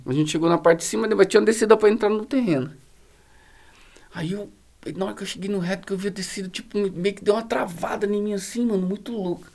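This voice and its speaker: Slangy, animated Brazilian man telling stories. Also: sits high, quick pace, creaky. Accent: Brazilian Portuguese. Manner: slangy, animated storytelling with many fillers. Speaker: guest, pastor running a social project. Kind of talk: casual storytelling in a podcast conversation.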